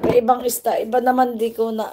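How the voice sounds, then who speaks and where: A woman's voice: on the high side, level tone, fast talker, heavy background noise. A playful, teasing woman from the Philippines chatting casually on a livestream, laughing often. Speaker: vlogger.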